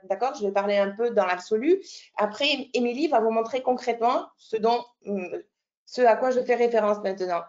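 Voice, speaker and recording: A woman's voice: mid-range voice, a little mellow, muffled recording. A woman with an Italian accent presenting a teacher-training webinar, explaining step by step with fillers and restarts. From Italy. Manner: explanatory, many fillers and restarts, checks in with "d'accord?". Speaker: French language teacher trainer.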